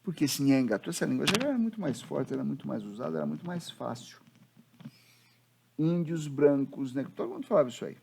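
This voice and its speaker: Gravelly Brazilian man lecturing. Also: on the high side, expressive, fast talker, noisy background. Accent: Brazilian Portuguese. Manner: storytelling, acts out quoted speech, casual slang. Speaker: theatre history teacher. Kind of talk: lively classroom lecture.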